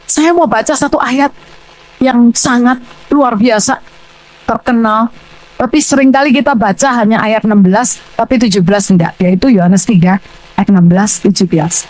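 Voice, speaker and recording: An older woman with a Surabaya Indonesian accent preaching a sermon in church, telling stories loudly and emphatically. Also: a little high, normal speed, low-quality recording. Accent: Surabaya Javanese Indonesian. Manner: animated storytelling, loud and emphatic, acting out dialogue.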